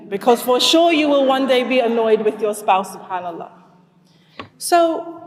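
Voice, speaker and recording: A woman's voice: fairly high pitch, darkish tone. A woman in her forties who grew up in Zimbabwe, speaking at a community event. She asks the audience questions, then tells a personal story. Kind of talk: storytelling talk to a live audience. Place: large hall with an audience. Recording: long reverb of a large hall.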